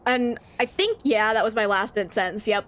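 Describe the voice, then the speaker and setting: A woman's voice: fairly high pitch, moderate pace, fairly bright tone. A woman streaming a video game, chatting casually with her viewers, laughing often and reading out their messages. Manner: chatty, laughs often, reads chat aloud. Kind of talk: casual gameplay stream chat.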